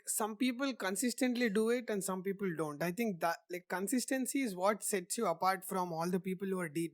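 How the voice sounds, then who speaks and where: A man's voice: sits high, no room sound, studio quality. A young man hosting a podcast, answering questions in a casual, rambling way with lots of "like" fillers. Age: young adult. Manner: rambling, heavy use of "like" fillers. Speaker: podcast host. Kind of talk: casual conversational interview answers.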